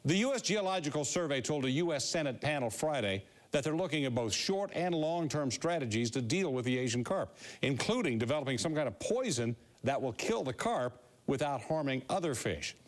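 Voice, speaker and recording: A man's voice: on the high side, expressive, brisk. An American man delivering a scripted news report as a TV reporter.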